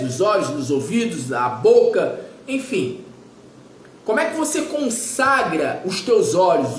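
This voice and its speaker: A man's voice: high-pitched, echoey room, slight background noise. A man in his forties preaching a sermon as pastor, emphatic and repetitive, firing off rhetorical questions. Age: 40s.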